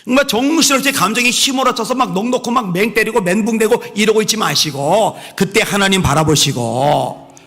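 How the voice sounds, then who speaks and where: A pastor preaching a sermon in a church. He drives his points hard, switching between shouted exhortations and quiet asides, and has the congregation repeat phrases after him. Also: sits high, fairly quick, hardly any pauses. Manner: leads the congregation in call-and-response repetition. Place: church sanctuary. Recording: long reverb of a church hall.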